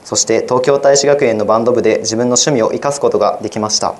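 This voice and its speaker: Teen male student, mid-pitched voice, earnest measured essay reading for radio. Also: darkish tone. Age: teens. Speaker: high school student. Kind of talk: reading his own essay aloud on radio.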